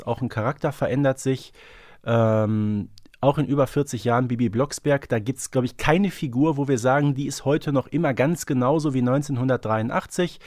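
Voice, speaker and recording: Male podcast co-host, reflective casual discussion, mid-pitched voice in a dry recording. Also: a little mellow, no echo.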